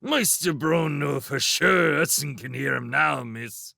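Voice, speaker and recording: A man doing a gravelly rustic old mole. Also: a little high, measured pace, bright, forceful tone, no echo, clean studio sound, pitched above the performer's own voice, full character voice. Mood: wry. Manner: broken rustic dialect.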